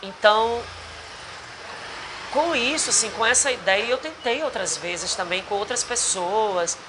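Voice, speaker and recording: A man's voice: high-pitched, a little slow, background noise. A man with a Potiguar accent from northeastern Brazil, a singer and actor talking earnestly in a rambling interview with many restarts. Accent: Potiguar Brazilian Portuguese. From Rio Grande do Norte, Brazil. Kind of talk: casual interview chat. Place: bar.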